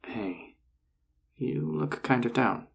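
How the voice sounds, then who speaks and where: A man playing a flirty, encouraging enchanter boss in an intimate roleplay audio drama, teasing and reassuring in a husky, gravelly voice. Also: mid-range voice, lively intonation, takes it slowly, a little hiss or hum, exaggerated voice. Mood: concerned, reassuring.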